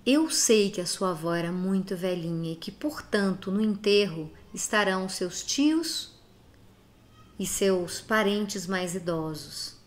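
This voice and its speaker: A woman's voice: mid-range voice, slow pace. A woman from Brazil speaks straight to her audience with a cold in her voice. She is earnest and emphatic, pressing each point home as she urges her listeners to act. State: has a cold. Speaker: speaker giving reflections to followers. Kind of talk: direct-address motivational talk.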